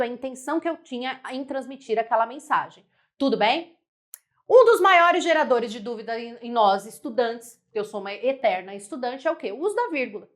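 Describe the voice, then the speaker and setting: A Brazilian woman teaching a live online grammar lesson, lively and repetitive, often checking whether viewers follow. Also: sits high. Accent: Brazilian Portuguese. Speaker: Portuguese teacher.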